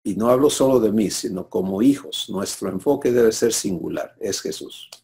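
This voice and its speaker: Man, pastor, low mellow voice, teaching sermon, checks for agreement. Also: moderate pace, gravelly. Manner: teaching, asks listeners for assent.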